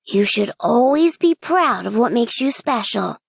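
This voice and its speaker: A woman voicing a kind, gentle male crow with a raspy voice in a children's storybook reading. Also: a little high, lively intonation, a little slow, no room sound, studio quality, exaggerated voice. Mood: encouraging.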